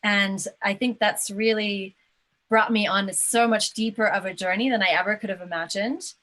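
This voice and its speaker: A woman from England, a soft-spoken and reflective guest in a casual interview over a video call. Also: mid-range voice, fairly even intonation, normal speed.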